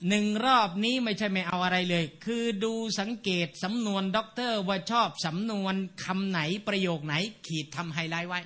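A man with a high, very bright and sharp voice teaches a class in a relaxed, lively way. He keeps checking with his students whether they follow, and now and then he mimics other people's accents to make a point. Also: moderate pace, hardly any pauses. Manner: animated, keeps asking rhetorical checks; mimics accents while explaining. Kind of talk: casual lecture to students.

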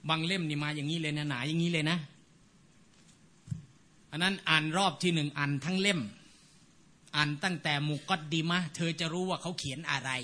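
A man with a high, very bright and sharp voice teaches a class in a relaxed, lively way. He keeps checking with his students whether they follow, and now and then he mimics other people's accents to make a point. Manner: animated, keeps asking rhetorical checks; mimics accents while explaining. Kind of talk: casual lecture to students.

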